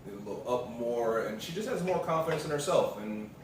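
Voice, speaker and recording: A man's voice: medium pitch, animated, brisk. An American man chatting casually as a co-speaker on a vlog, informal and emphatic in how he makes his points. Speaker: partner of the vlogger, co-speaker. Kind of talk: casual chat. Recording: very echoey room, distant mic, faint noise.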